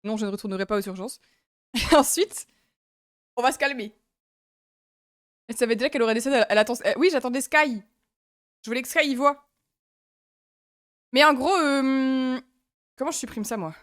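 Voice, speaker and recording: A young French woman streams live, chatting with viewers in a loose, giggly style and frequently stopping to react and laugh. Her voice is high and bright, at a moderate pace with long pauses, recorded dry and close with no room sound.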